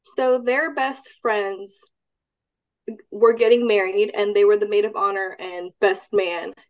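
A young woman from Texas who grew up speaking Cantonese talks about her past. She answers steadily, pausing and correcting details as she recalls them, at a middle pitch. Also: steady tone, low-quality recording. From Austin, Texas. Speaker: guest. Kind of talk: casual podcast interview.

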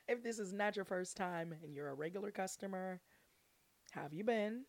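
A woman's voice: mid-range voice, normal speed, no echo. A forty-year-old woman hosting a casual solo podcast, chatting in an exuberant, playful, chummy way straight to her listeners. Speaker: podcast host.

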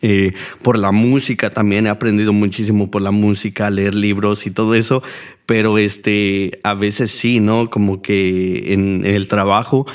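Rambling, profane Mexican man with a lowish voice. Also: flat delivery, measured pace. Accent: Mexican Spanish. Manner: profane, rambling, heavy use of fillers. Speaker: podcast host. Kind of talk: casual monologue.

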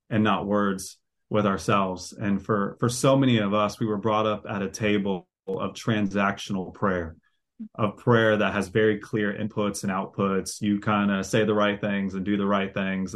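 A man with a fairly low voice speaks as a guest on a podcast. He explains his ideas earnestly and with conviction. He stacks up his phrases the way a preacher builds toward a point. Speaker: guest author. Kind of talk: conversational podcast interview.

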